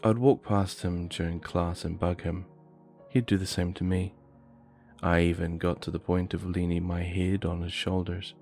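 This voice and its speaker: A man narrating a scripted horror story in a measured, low-key way. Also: little pitch movement, a little mellow, soft background music.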